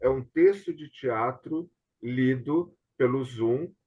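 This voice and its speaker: Speaking slowly in a mid-range voice with a breathy edge, a Brazilian theatre director hosts a relaxed online discussion. He's explanatory and keeps seeking agreement with tag questions, and the video-call recording sounds dull and lo-fi.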